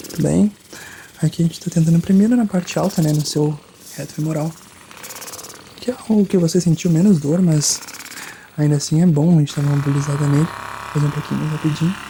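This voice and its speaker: A Brazilian speaker playing a chiropractor in an ASMR roleplay, chatting softly and informally with a joking streak. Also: medium pitch, steady tone, fairly quick, a little hiss or hum, rough recording. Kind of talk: ASMR roleplay of a chiropractic session, soft casual chat.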